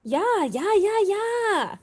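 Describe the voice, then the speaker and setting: Woman as a high, swooping, fussy vampire dandy. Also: very animated, drawn-out words, exaggerated voice. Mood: excited. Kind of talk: video-call table read of a comedy film script. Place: remote video-call reading.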